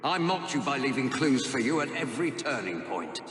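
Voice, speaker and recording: Theatrical gentleman thief, preening and superior; animated delivery, echoey hall sound, faint score underneath. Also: mid-range voice, normal speed. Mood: boastful. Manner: gloating, theatrical, self-satisfied. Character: boastful male master thief, gloating villain. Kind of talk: video game cutscene acting. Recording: reverberant hall with game music.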